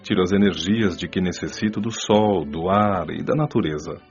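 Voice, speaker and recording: An actor playing a calm, earnest male spirit mentor who gives solemn, deliberate advice in a radio drama. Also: sits low. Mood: earnest, instructive. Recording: muffled audio with music underneath.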